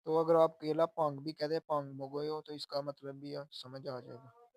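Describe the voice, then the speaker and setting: A man's voice: on the high side, little pitch movement, normal speed, darkish tone, dry recording. A man teaching Korean, patiently explaining phrases word by word. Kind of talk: explaining Korean exam lessons.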